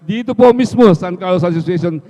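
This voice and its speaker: Isang lalaking may puntong Pilipino na nagpapatotoo sa isang pagsamba, paulit-ulit na sinasabing "mga minamahal" sa bawat parirala, sa mahabang alingawngaw ng bulwagan ng simbahan na mapurol ang tunog. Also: male voice, high-pitched, fairly quick, mellow. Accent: Filipino. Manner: repeats "mga minamahal" after nearly every phrase. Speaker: church member giving testimony. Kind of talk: testimony in a church service. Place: church hall. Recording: reverberant, dull live stream audio.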